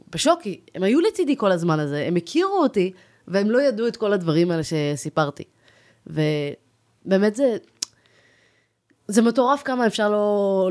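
Chatty woman in her thirties, somewhat low voice. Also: darkish tone. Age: 30s. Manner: chatty, storytelling, enthusiastic. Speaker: podcast guest. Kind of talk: casual podcast interview.

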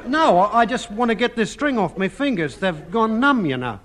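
A man's voice: high voice, sing-song, moderate pace, a bit bright, some chatter behind, a little hiss or hum. An actor in a vintage radio sitcom playing a dim-witted, flustered young man who stammers and hesitates. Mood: dopey. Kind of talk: 1950s radio sitcom acting.

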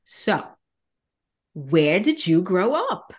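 A woman from New York hosting a podcast, asking questions in a warm, encouraging and enthusiastic way. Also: fairly low pitch, sing-song, extremely slow, breathy edge. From New York, USA. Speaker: podcast host. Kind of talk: casual interview conversation.

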